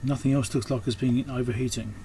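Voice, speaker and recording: A male electronics repairer and video host offers unscripted, hands-on commentary at an indoor workbench, thinking aloud and trailing off mid-thought. His medium-pitched, mellow voice is fairly even in intonation and fairly quick. The rough recording has clear background noise and room ambience.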